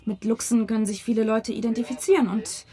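An actress playing an idealistic young student and camp leader in a German audio drama, earnest and conciliatory. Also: female voice, a little high, steady tone, quick pace, mellow, breathy edge. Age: young adult.

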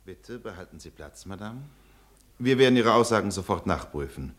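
A cold wartime occupation officer in a radio play, played by a man, with a low-pitched voice. He speaks formally and officiously, smoothly evasive and condescending. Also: animated, moderate pace, natural voice. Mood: smoothly official. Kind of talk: German radio play acting.

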